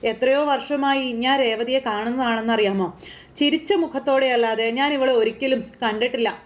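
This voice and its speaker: Woman retelling a calm kindly temple priest. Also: on the high side, lightly acted. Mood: gentle. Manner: slow, calm and reassuring. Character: kindly temple priest giving gentle advice.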